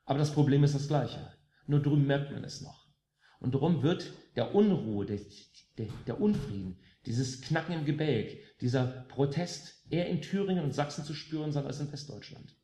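Between songs, a West German man gives a concert audience a rousing political speech, emphatic and sprinkled with sarcasm and rhetorical questions. He has a mellow, mid-range voice. The recording is of a roomy live room with faint music.

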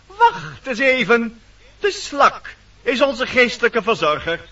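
Casting: stern, self-important forest animal chief, very high bright voice, declamatory radio-play delivery, dull recording. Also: male voice, very animated, slow, distant mic, full character voice. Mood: solemn, deliberating. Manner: formal, commanding, declamatory. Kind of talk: theatrical Dutch radio play acting.

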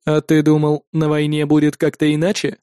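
A man reading an audiobook who voices a calm, terse male combat android, speaking in a cold and measured way. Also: on the high side, clear, resonant tone, no room sound, studio quality. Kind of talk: audiobook character voice.

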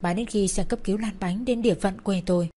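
Woman narrator, mid pitch, sorrowful first-person storytelling, emotional reading. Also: fast talker, warm tone.

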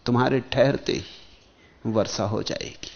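A man giving a spiritual discourse, speaking in slow rhythmic phrases that swell and sink, and chanting verses slowly. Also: medium pitch, fairly even intonation, vocal fry, lo-fi sound. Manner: slow, rhythmic, rising and falling emphasis. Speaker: spiritual teacher.

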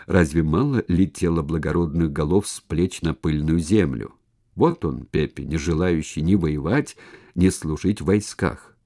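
A man narrating a historical novel as an audiobook in an even storytelling manner. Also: a bass voice, measured pace. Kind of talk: scripted narration.

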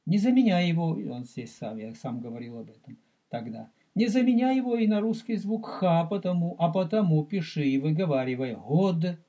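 A man teaching as a rabbi in a recorded religious lecture. He speaks deliberately, addresses the listener directly, and explains and repeats terms for emphasis. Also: on the high side, sing-song, dark tone.

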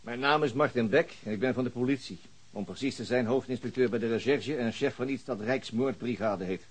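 An actor playing a calm, dry police chief inspector in a radio play, answering tersely. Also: male voice, medium pitch, fairly quick, slightly rough, lightly acted. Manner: calm, terse, dryly patient.

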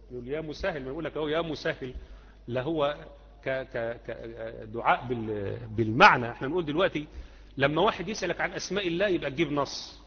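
A fast-talking Egyptian man teaches a religious lesson in a hall with a long, ringing reverb. His voice sits a little high and comes across muffled and dull. He keeps it conversational, tossing questions back to his listeners. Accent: Egyptian Arabic. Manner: conversational, asks students rhetorical questions. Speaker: Islamic creed teacher.

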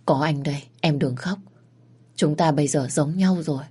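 A woman voicing a gentle, protective young man who speaks soothingly and tenderly, in a storybook reading. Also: low voice, normal speed, husky.

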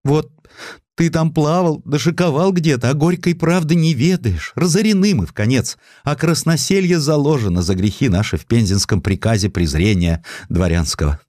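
A man acts out an unhappy provincial gentlewoman for an audio story. Her pitch is raised well up, and she speaks in plaintive, reproachful, old-fashioned folksy phrases. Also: moderate pace, no room sound, clean studio sound, close to an everyday voice. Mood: bitter reproach. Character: upset provincial Russian gentlewoman, a reproachful unhappy younger sister.

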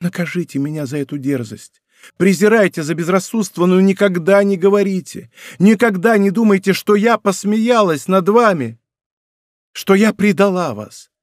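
A man's voice: high-pitched, expressive, normal speed, no room sound, studio quality, voice pushed up. A man reading an audiobook, voicing a passionate, pleading young woman in love. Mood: passionate confession. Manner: impassioned, tearful pleading.

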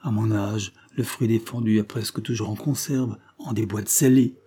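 A man's voice: lowish voice, fairly even intonation, normal speed, mellow, slightly rough. A man voicing a wistful old counsellor with a white beard, speaking with a sigh in a storybook reading. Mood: rueful. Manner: sighing, rueful.

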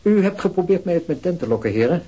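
A smug businessman with a dark, husky voice,. He talks formally and with quiet condescension. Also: high voice, lively intonation, fast, low-quality recording. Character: smug, self-assured male businessman. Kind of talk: radio play acting.

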